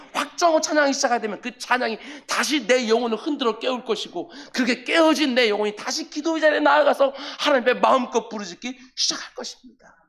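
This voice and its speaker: A middle-aged male pastor preaching a sermon, building to loud, emphatic commands as he acts out scripture lines. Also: very high-pitched.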